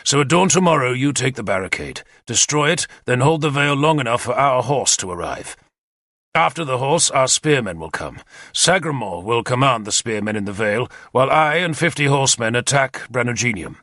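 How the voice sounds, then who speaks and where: A man reading as a bold warlord full of fight, his voice lifted and lively as he drives home his plans. The tone is bright and forceful, and it sounds dry and close to the mic. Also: medium pitch, fairly quick, no room sound, pitched above the performer's own voice. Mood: commanding. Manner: energetic, decisive, commanding. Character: bold confident male warlord commander.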